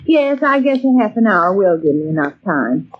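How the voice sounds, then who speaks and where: A woman's voice: medium pitch, very animated, moderate pace, natural voice. An American actress playing a bustling, mildly exasperated middle-aged housewife and mother in an old-time radio comedy serial, chatty and folksy. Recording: muffled, noisy old radio recording.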